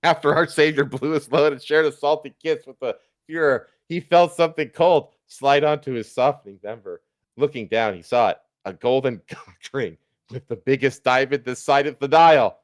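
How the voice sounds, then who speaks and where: A man's voice: medium pitch, moderate pace, dry recording, studio quality. A man streaming a live comedic reading of fan fiction in an amused storyteller's delivery.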